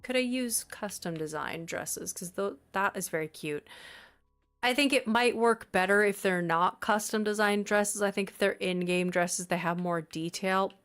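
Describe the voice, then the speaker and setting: A woman's voice: mid-range voice, moderate pace, a bit bright, clear, resonant tone. A woman chatting casually on a live stream, giggly and talkative as she greets and answers her chat.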